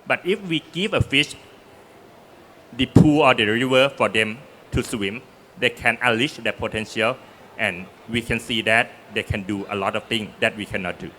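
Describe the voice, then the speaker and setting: Panelist: bright-toned man, earnest, stumbles when starting. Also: medium pitch, normal speed, slight background noise. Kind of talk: panel discussion.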